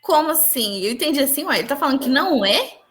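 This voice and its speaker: Young woman, high-pitched and soft-spoken, giving an earnest personal testimony as an interview guest. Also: lively intonation, fast. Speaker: interviewee recounting a spiritual experience.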